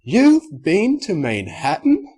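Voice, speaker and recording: A man's voice: high-pitched, wildly swooping pitch, slow pace, dark tone, breathy edge, pitched above the performer's own voice, exaggerated voice. A man reading aloud and voicing a refined, theatrical female unicorn dressmaker. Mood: exasperated. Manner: theatrical, gushing and prim.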